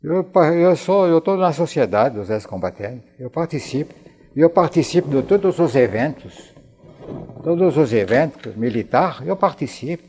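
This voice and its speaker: A man in his nineties from France, with a French accent, speaking Portuguese as a second language and recollecting haltingly as a veteran guest in a television interview, often repeating words and phrases. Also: a little high, lively intonation, darkish tone. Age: 90s.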